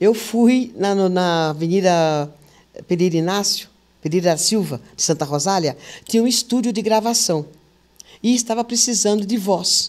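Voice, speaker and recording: A woman speaks at a medium pitch and a moderate pace. Her pitch variation is ordinary, with long, frequent pauses. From Paraíba, Brazilian Northeast. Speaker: radio presenter. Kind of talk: interview.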